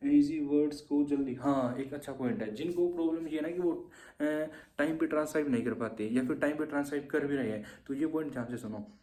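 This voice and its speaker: Speaking a little high and at a quick pace, this man has a dark tone, and the room echoes noticeably. He runs a casual exam-tips lesson for shorthand students, repeating himself and frequently tossing in "theek hai."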